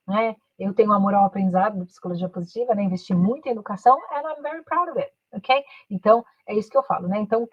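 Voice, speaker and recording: A woman, giving a career coaching talk on a live stream and switching into slow English, with frequent "né" and "ok" tags. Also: mid-range voice, slightly rough, dry recording, dull audio. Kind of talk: live online talk, mixing Portuguese and English.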